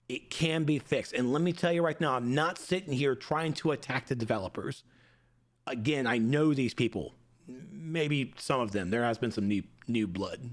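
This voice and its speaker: Heated man in his forties ranting. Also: medium pitch. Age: 40s. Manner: heated, emphatic, repetitive. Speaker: gaming streamer. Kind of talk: opinion rant to camera.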